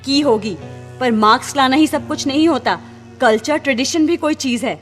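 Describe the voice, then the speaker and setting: An actress playing a snobbish, scolding school principal in a Hindi radio play. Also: female voice, sits high, normal speed, faint music behind, lightly acted. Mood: stern, reproachful. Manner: scolding, haughty.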